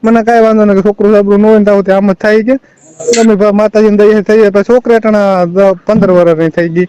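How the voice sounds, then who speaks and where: A man's voice: sits high, little pitch movement, fast, dark tone, clear, resonant tone, dry recording. A middle-aged man with a rural Saurashtra Gujarati accent on a recorded phone call, arguing defensively and insistently and repeating himself. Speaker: phone caller. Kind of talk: heated personal phone conversation.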